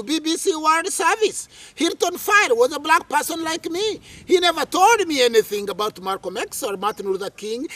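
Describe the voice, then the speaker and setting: Expressive middle-aged man telling a story outdoors. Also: extremely high pitch, no room sound. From Uganda. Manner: expressive, dramatic storyteller with many fillers. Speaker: interview guest. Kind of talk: animated storytelling interview. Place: outdoors under a tree.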